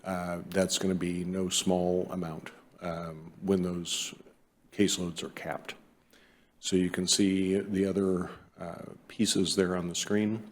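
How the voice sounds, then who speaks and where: A man with a very deep, flat voice sums up budget changes for a city council in a measured way. There is a faint hiss behind him in the council chamber. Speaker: city official introducing the budget. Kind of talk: meeting presentation.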